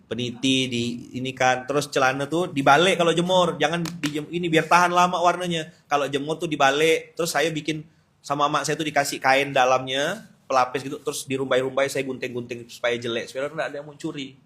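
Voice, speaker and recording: A man's voice: a little high, steady tone, brisk, fairly bright tone. A man preaching to a gathering, telling a funny story and acting out the voices in it. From Pontianak, Indonesia. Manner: humorous, acts out quoted voices, laughs often. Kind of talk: storytelling sermon.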